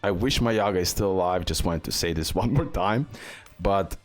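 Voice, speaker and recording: A man with a low, animated voice provides casual, unscripted gameplay commentary as a video host, speaking at normal speed and often repeating short phrases again and again. Soft music plays in the background.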